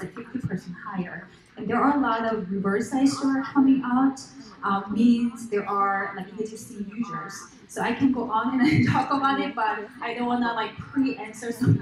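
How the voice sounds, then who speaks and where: A woman in her thirties whose first language is Korean, speaking on a conference panel with many fillers and light laughs. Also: medium pitch. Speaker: panelist, fund partner. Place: large conference hall. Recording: echoey hall.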